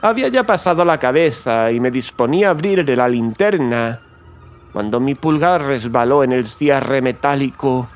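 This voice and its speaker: An actor playing a mad, gloating murderer who confesses in a theatrical horror audiobook, swinging between hushed and agitated delivery. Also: male voice, medium pitch, animated, moderate pace, close to an everyday voice. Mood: sly, hushed menace. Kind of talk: dramatic horror audiobook narration.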